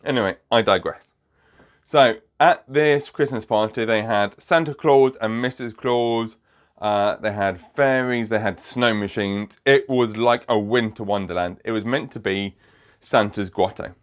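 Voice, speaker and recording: A man with a low-ish voice speaks unhurriedly while hosting his own podcast as a magician. He tells a funny story casually, chatting, laughing often and wandering off topic.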